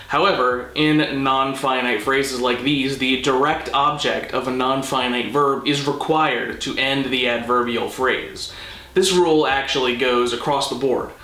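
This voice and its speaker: A man hosting a language explainer, narrating in a didactic, precise way with deliberate emphasis. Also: medium pitch, bright, forceful tone. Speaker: host of a language explainer channel. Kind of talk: explanatory scripted narration with casual asides. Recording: roomy, echoing indoor sound.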